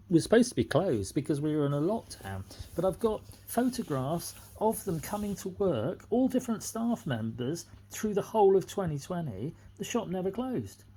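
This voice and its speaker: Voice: medium pitch, warm tone. A middle-aged person with a British accent, speaking off the cuff as an aggrieved tenant, indignant and going back over the same points. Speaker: tenant making a complaint. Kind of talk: unscripted personal grievance monologue.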